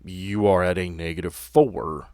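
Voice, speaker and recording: Low-voiced man running a tabletop game. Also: fairly even intonation, measured pace, a little mellow, clean tone, no room sound, clean studio sound. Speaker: game master. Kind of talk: narrating and refereeing a tabletop game.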